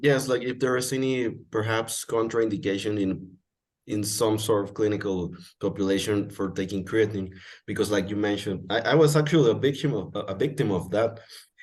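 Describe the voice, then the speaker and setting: A man speaks with a Spanish accent at a fairly quick pace. His pitch is fairly low, with ordinary variation. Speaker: podcast host, nutritionist. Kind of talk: casual interview.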